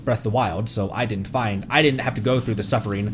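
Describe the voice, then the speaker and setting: A man doing casual live gameplay commentary in an animated, halting way, exclaiming often. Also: fairly low pitch, noisy background. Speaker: livestreamer, VTuber. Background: game music.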